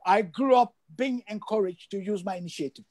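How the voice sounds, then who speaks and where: This older man from Sierra Leone, a guest on a video call interview, talks emphatically and leans on repeated phrases for stress. His voice is high-pitched and darkish, and he speaks briskly from an indoor room at home.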